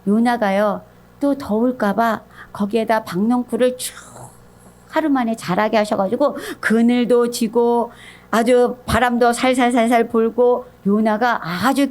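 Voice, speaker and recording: Casting: a woman preaching, animated storytelling, high-pitched voice, ranging from hushed to loud. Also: a little slow. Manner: animated storytelling, swinging between soft and loud. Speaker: pastor's wife preaching. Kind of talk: sermon.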